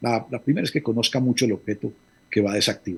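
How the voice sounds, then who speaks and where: At a very fast pace, a man talks in a somewhat breathy voice of medium pitch. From Colombia, Medellín. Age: 60s. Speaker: international consultant, former city official. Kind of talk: radio interview.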